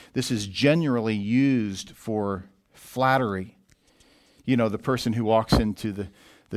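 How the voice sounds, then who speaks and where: On a very clean recording with a silent background, a man with an American accent and an unremarkable speaking voice talks at a medium pitch and a moderate pace. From US Midwest (Southwest Missouri). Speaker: pastor. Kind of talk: sermon.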